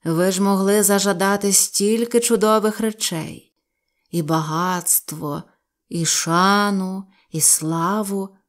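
A woman voicing old pine trees in a storybook reading, speaking slowly and drawing out her words. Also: medium pitch, fairly even intonation, lightly acted. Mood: gently scolding. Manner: slow, drawn-out, rustling delivery. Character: old whispering pine trees, wise and slow.

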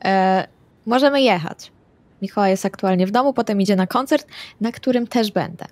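A woman's voice: mid-range voice, normal speed, a little mellow, no room sound. A woman playing a tabletop roleplaying game, chatting casually in and out of character.

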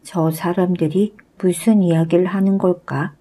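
A woman's voice: on the low side, steady tone, a little slow, warm tone. A woman voicing a mischievous male goblin who echoes everyone's words in a storybook tale. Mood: teasing mimicry. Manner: echoes the speech of others.

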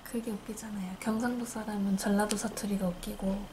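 A woman's voice: mid-range voice, flat delivery, fairly quick. A woman chatting along casually in polite speech during a nail art session in a studio. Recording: clear background noise in room.

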